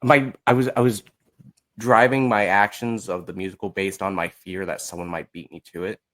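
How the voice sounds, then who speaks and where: Male podcast guest, low-pitched, informal and unscripted, often feeling around for the right word. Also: little pitch movement, normal speed, fairly bright tone. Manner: informal, hesitant, searching for words. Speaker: podcast guest, musical creator. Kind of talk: casual interview chat.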